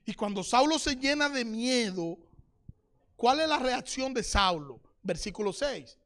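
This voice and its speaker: A man's voice: extremely high pitch, expressive, a little slow, a bit bright. A middle-aged man preaching a sermon as pastor, reading scripture aloud and addressing listeners as brother.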